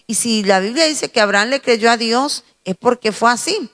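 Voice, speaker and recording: A woman with a Spanish accent from Spain preaches a morning devotional sermon slowly and emphatically, pausing and repeating phrases. Her voice is a little high and a bit bright, with lively intonation, and the sound is that of a big room.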